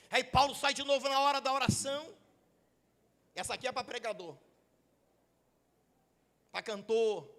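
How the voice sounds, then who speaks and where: A male pastor with a Brazilian Portuguese accent preaching a sermon in church, moving between quiet asides and shouted emphasis. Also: very high-pitched, in a large hall.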